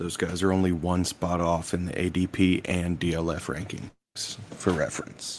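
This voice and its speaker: In an American accent, the speaker talks at a moderate pace with hardly any pauses and monotone, flat intonation, in a very clean recording with a silent background. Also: man, very deep, low pitch for a man. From South Carolina. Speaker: live show co-panelist reading listener questions. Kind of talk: live-stream Q&A chat.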